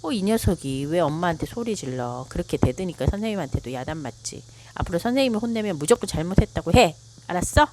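Mother figure, firm and direct, voice low with lively ups and downs, read by a woman. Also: fast talker, a little hiss or hum, close to an everyday voice. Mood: scolding. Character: scolding mother, then gentle and consoling.

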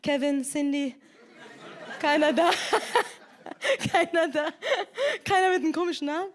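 A woman from Iran hosting a stand-up comedy show, energetic and joking as she hypes the audience. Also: sits high, unhurried, a faint crowd. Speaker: host. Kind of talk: stand-up host patter. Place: comedy club stage with live audience.

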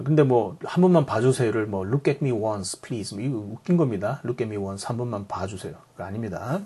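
A man's voice: medium pitch, a little mellow, slightly rough. A man teaching English expressions in Korean, explaining each phrase and then repeating it in English.

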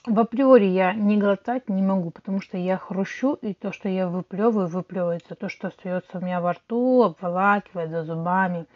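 A woman's voice: medium pitch, fairly quick, hardly any pauses, dull audio. Woman chatting while chewing clay. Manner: chatty, addresses viewers directly. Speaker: livestream host. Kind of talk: casual livestream chat with viewers.

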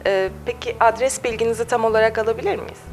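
Fast-talking young woman reporter. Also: on the high side, steady tone, creaky. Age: young adult. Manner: fast, polished presenter delivery. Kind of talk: scripted TV interview questions. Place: small cafe indoors. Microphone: handheld mic. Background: faint music.

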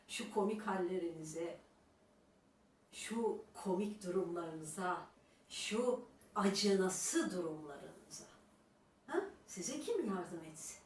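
A woman's voice: fairly low pitch, expressive, slow, pauses often. Woman vlogger berating critics, scornful lecturer's tone, recorded a bit far from the mic in an echoey room with faint hiss. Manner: scornful, lecturing, with repeated rhetorical "Ha?". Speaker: YouTuber addressing her critics. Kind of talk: scolding monologue to viewers.

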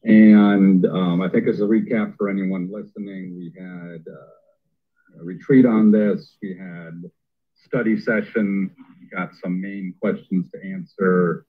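A man's voice: low voice, steady tone, slow pace. A man chairing a council meeting, talking things through conversationally with fillers, heard over thin phone-like meeting audio. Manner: conversational, thinks aloud with fillers. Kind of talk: meeting discussion.

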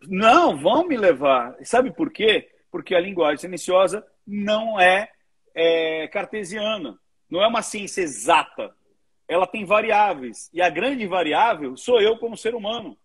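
A man with a Brazilian Portuguese accent hosting a casual interview, talking quickly and conversationally. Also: high-pitched, animated, husky. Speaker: interview host. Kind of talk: casual interview over a live video call.

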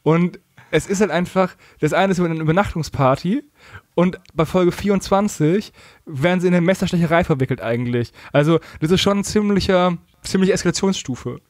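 Man, podcast co-host, slightly high voice, casual conversation. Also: fairly quick, darkish tone, dry recording, clean studio sound.

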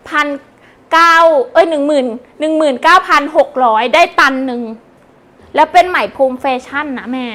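A very high-voiced woman pitches like a hype live seller, excitable and gushing. She chats straight to her customers and hammers prices and codes over and over. Some noise sits behind her voice. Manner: chatty, addresses viewers with polite endearments. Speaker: live-stream seller of wholesale second-hand clothing.

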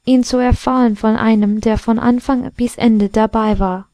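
A woman's voice: a little high, steady tone, normal speed, mellow, dry recording, lightly acted. A woman voicing an eager, curious chest of drawers in a storybook reading.

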